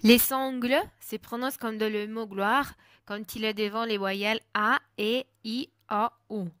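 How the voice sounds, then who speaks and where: Slow, careful teacher woman. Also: on the high side, fairly even intonation, fairly bright tone, clear, resonant tone, dry recording, studio quality. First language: Italian. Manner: deliberate, spells and repeats words with French translations. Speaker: Italian language teacher. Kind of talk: slow, careful pronunciation lesson.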